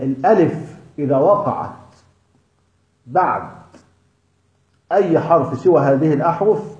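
A man's voice: mid-range voice, mellow. A man with an Egyptian accent teaching Quran recitation, who jokes lightly and drills letter sounds one by one. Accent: Egyptian Arabic. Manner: jokes lightly, breaks into laughter. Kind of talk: lecture on tajweed. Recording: echoey, dull lo-fi recording.

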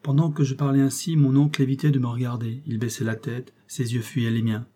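A man narrating a classic novel in a steady, expressive reading. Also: mid-range voice, brisk. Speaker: audiobook narrator. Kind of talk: scripted narration.

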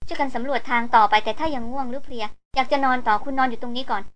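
A woman narrating a novel as an audiobook, in a steady storytelling manner. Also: high-pitched, very fast, lo-fi sound. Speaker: audiobook reader.

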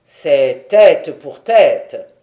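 A woman reading an audiobook, voicing a proud, menacing male tribal chief who speaks coldly and forcefully. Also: deep voice, animated, slow, pitched below the performer's own voice. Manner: cold, forceful, accusing.

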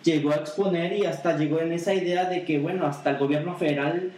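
A man's voice: fairly high pitch, fairly even intonation, quick pace, darkish tone, roomy sound, recorded from a distance, poor audio. A man with a Mexican Spanish accent chatting about politics on a podcast, rambling, full of hesitations and restarts. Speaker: podcast co-host. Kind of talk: casual political chat.

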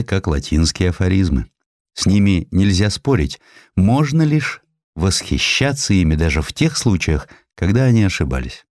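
A man with a very deep voice narrates a literary historical tale. His delivery is theatrical and expressive, with wide swings of intonation. The sound is dry, with hardly any room in it. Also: no echo. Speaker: audiobook narrator.

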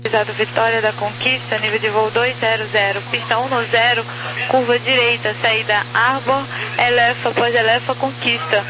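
A Brazilian woman working as an air traffic controller, reading out flight clearances over aviation radio. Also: on the high side, little pitch movement, moderate pace. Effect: aviation radio transmission.

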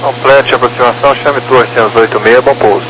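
A man's voice: mid-range voice, steady tone, fairly quick, over music. A Brazilian man working as an air traffic controller, speaking clipped phraseology over crackly aviation radio. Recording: crackly radio transmission with hum.

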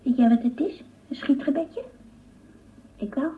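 A woman playing a chatty, boastful young child telling tales in a radio drama, with a lively childlike manner. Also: high-pitched, unhurried, recorded from a distance. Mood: gossipy, proud. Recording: tinny, echoey radio play recording, off-mic.

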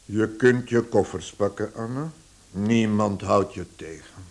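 Low-voiced, pompous father. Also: unhurried, creaky. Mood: stern, resigned. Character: authoritative bankrupt father, measured head of household. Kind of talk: radio play acting.

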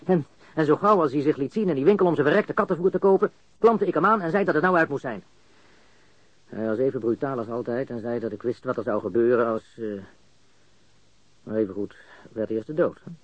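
A man's voice: medium pitch, brisk, pauses often, no room sound, muffled recording, close to an everyday voice. An actor playing a cocky, jittery criminal suspect in a radio drama, stammering, repeating himself and swearing as he confesses. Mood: confiding.

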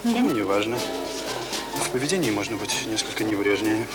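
A brisk, self-assured fellow in a radio play, handing out instructions. His lively voice echoes in a room with loud music playing. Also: lowish voice. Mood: brisk, instructing. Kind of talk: Soviet radio drama acting.

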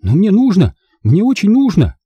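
A desperate little boy from a storybook, as a man voices him, raised high above the reader's own voice. He pleads urgently and thinly, and the sound stays close and dry. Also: wildly swooping pitch, moderate pace, breathy edge, no echo, muffled recording, heavily acted. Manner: pleading and shouting.

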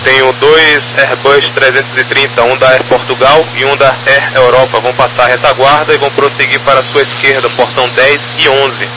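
A man's voice: medium pitch, little pitch movement, a little fast, hardly any pauses. A man with a Brazilian accent working as an airport controller, giving procedural instructions over the radio. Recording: noisy air traffic radio channel.

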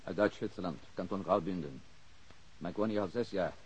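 An actor playing a guarded but cooperative Swiss-German immigrant car mechanic in a radio crime drama, speaking in short, simple sentences. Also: male voice, deep voice, brisk, slight background noise, close to an everyday voice, rough recording.

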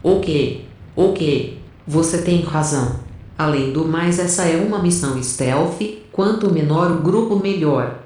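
A woman's voice: low voice, takes it slowly, dark tone. A woman playing a brash, cocky rebel soldier in an audio drama, speaking in a slangy, self-assured way. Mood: confident. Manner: colloquial, sassy, self-assured. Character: brash, cocky, foul-mouthed female rebel soldier telling her tale. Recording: very echoey room.

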